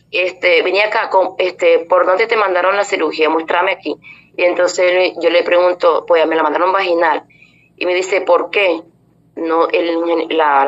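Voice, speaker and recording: A woman's voice: fairly low pitch, a bit bright. A woman giving an earnest spoken religious testimony, addressing her listeners as brothers and sisters and retelling conversations in quoted speech. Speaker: church member giving testimony. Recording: dull lo-fi audio with faint noise.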